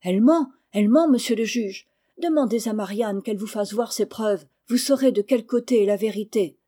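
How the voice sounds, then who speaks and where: Storybook orphan boy, impulsive and pleading, read by a woman, mellow tone. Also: medium pitch, normal speed, lightly acted. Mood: eager. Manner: eager, pleading.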